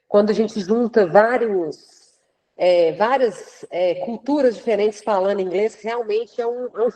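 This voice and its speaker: Mellow woman asking winding questions. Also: mid-range voice, measured pace, poor audio. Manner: hesitant, restarts, winding questions. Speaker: interviewer. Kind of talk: casual interview chat.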